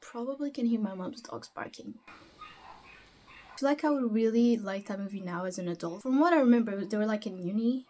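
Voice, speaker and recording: A woman's voice: mid-range voice, moderate pace, mellow. A young woman, a book vlogger talking casually at home, chatty and rambling, often questioning herself aloud.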